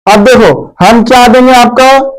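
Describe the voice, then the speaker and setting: A man with a very high-pitched voice teaches grammar at an unhurried pace, captured on a low-quality recording. Working at a board, he calls his pupils "मेरे प्यारे बच्चों", repeats key terms and asks them questions.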